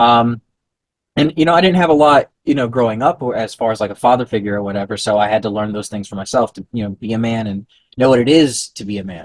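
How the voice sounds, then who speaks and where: The sound is dry and close with no echo. A man talks in a normal speaking voice with ordinary pitch variation. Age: 30s. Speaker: podcast host. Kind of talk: casual interview chat.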